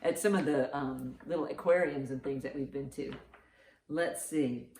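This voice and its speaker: An extremely low-pitched woman's voice with a darkish tone moves at normal speed. She reads stories and asks riddles of small children, offering warm encouragement and big reactions to their guesses, in a roomy, echoey room.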